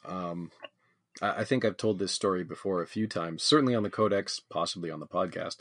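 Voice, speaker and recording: A man with a low voice hosts a relaxed podcast chat. He meanders through his points with lots of fillers and hedging. The recording is dry, with no room sound. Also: a little fast, no room sound. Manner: rambling, filler-heavy, tentative delivery. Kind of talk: casual conversation.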